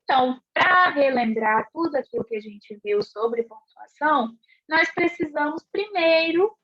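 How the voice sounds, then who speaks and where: A woman teacher explaining a class lesson slowly and clearly, asking rhetorical questions. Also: high-pitched, fairly bright tone. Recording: dull lo-fi recording.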